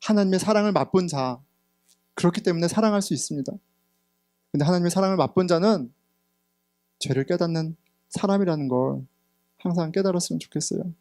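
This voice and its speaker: A man in his thirties preaching a sermon as pastor, telling a personal story candidly, getting loud at times and hushed at others. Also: sits high, dry recording, studio quality. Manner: candid storytelling, sometimes laughing, swings between loud and hushed. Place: church sanctuary.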